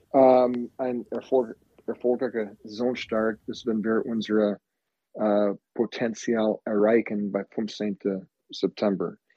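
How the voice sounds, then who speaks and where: A man with an English accent talks very slowly at a medium pitch. His delivery is flat and monotone. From US, Wisconsin (Green Bay). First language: English (speaking German). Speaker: ice hockey head coach. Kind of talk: interview. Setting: phone call. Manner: halting, many fillers.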